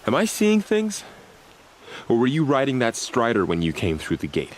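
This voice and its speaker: An actor playing a dutiful, earnest tribal warrior in a video game, with measured, formal speech. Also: male voice, medium pitch, wildly swooping pitch, a little hiss or hum, low-quality recording. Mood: wondering, respectful. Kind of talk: naturalistic video game acting.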